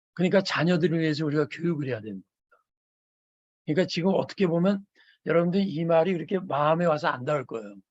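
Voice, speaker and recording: A man at a very fast pace, fairly high in pitch, with lively intonation. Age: 60s. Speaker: professor. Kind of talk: lecture.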